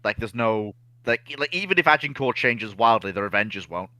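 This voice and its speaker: A man in a casual history chat, explaining things in an animated, opinionated way. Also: on the low side, a little fast, no echo. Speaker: naval history discussion panelist.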